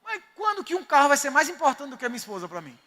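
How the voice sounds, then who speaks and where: High-voiced Northeastern Brazilian preacher. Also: male voice, big pitch swings, rapid-fire, sharp tone. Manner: emphatic, storytelling preacher. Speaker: pastor. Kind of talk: sermon. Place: church sanctuary. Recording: reverberant church hall.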